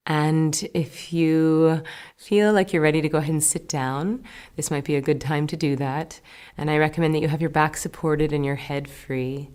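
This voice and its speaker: Woman meditation teacher, low-pitched, calm guiding delivery with gentle whispered cues. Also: clean tone. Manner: slow, soothing, gentle instructions with soft whispered words. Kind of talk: guided meditation.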